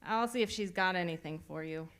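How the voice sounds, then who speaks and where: A woman's voice: lowish voice, a little fast, a bit bright, smooth. A woman playing a crabby, blunt village landlady in a radio play, with a grumbling, gossipy manner. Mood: bluntly gossipy. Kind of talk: radio theatre acting.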